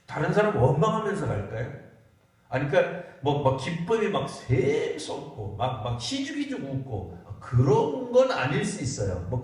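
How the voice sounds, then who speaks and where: A man's voice: medium pitch, darkish tone. A male pastor giving a sermon at a Friday prayer meeting, speaking conversationally and posing rhetorical questions to the congregation. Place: church sanctuary. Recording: echoey church hall, mic at a distance.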